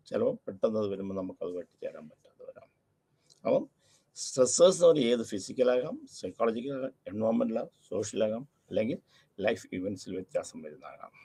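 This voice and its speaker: A male lecturer with a gravelly, husky voice talks through a psychology lesson for a recording. He explains patiently and repeats each key term, slipping English phrases into his speech. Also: medium pitch, darkish tone.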